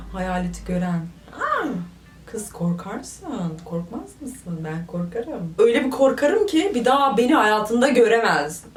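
Young woman, vlogger, animated and joking, high-ish voice, roomy sound from off-mic. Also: unhurried, recorded from a distance, a crowd in the background. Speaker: vlogger reading viewer stories. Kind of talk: casual comic commentary.

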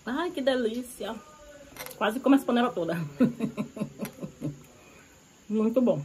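A woman's voice: fairly high pitch, expressive, a little slow, a little mellow, a little hiss or hum, low-quality recording. A woman in her thirties from Bahia with a Bahian accent, chatting casually while eating outdoors on a rural porch, recorded by a camera on the table. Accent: Bahian Brazilian Portuguese. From Bahia, Brazil. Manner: chatty, savoring food between remarks. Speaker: food vlogger.

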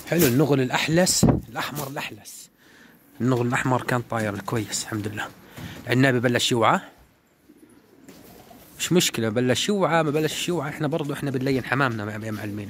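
A man, giving a casual, animated running commentary while flying his pigeons outdoors. He repeats words and calls out to the birds. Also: mid-range voice, a little hiss or hum. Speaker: pigeon keeper vlogger.

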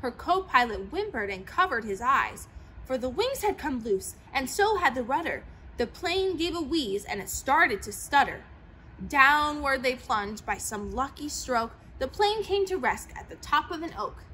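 A young woman reading a rhyming picture book aloud with an expressive, sing-song delivery, seated in an old plane in a large museum hangar. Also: high voice, measured pace, slight background noise. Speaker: storyteller.

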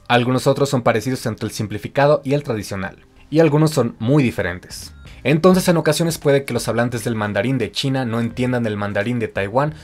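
A man giving a scripted, clear explanatory narration for a language lesson, walking through examples one by one. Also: medium pitch. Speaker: language teacher. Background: faint music.

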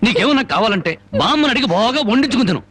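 A man's voice: extremely high pitch, lively intonation, racing. An actor playing a fiery, defiant man who confronts a village elder and mocks a kidnapped girl, in a film soundtrack with music behind. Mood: mocking. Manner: fierce, mocking speeches. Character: fiery defiant male avenger Rambabu. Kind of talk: Telugu film drama acting.

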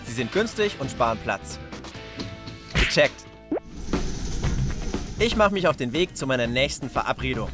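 A man's voice: mid-range voice, sing-song, a little slow, long pauses. Young guy doing kids reportage narration, simple casual explaining, music behind him. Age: young adult. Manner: plain, simple explaining in short sentences. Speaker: presenter of a children's reportage. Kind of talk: lively explanatory narration and casual chat for children.

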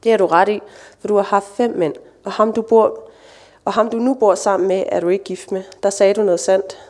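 A woman reading Jesus, calm and weary. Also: mid-range voice, lightly acted. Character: Jesus, weary male traveler at a well.

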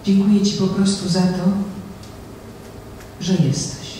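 Slow, mellow woman reciting poetry. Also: mid-range voice, steady tone, slight background noise. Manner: slow, measured, solemn recitation. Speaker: poetry reader. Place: small venue on a stage before an audience. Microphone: handheld mic, from a distant camera. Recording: very echoey room heard from far off.

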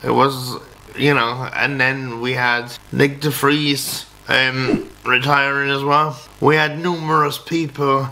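A man in his thirties giving a casual race review from a home office. His voice is bright and forceful, with a fairly even melody and a slow, halting delivery that often restarts words. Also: medium pitch, low-quality recording. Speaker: motorsport vlogger. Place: small home office, indoors.

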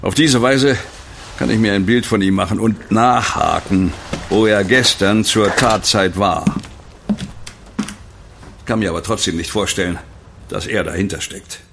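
A thoughtful police inspector in a horror radio play. His voice is fairly low and gravelly, and his delivery is tactful, deliberate and tentative. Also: background noise. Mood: pondering. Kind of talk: German horror audio drama acting.

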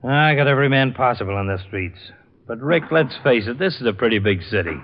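An American man playing a gruff, world-weary police lieutenant in a 1950s radio drama. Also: medium pitch, expressive, brisk, natural voice. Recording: dull, noisy old radio recording with clicks.

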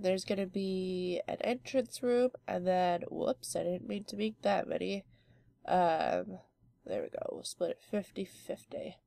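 A woman's voice: mid-range voice, vocal fry, mellow, dry recording, studio quality. A young woman with a stuffy head cold, hosting a let's play with chatty, rambling commentary full of fillers. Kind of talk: casual gameplay commentary.

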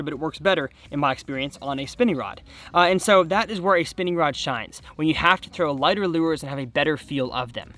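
A man's voice: on the high side, bright, forceful tone. A man in his twenties giving casual, enthusiastic instruction to camera as host of an outdoor fishing channel. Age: 20s. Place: outdoors on a bass boat by a reedy shore.

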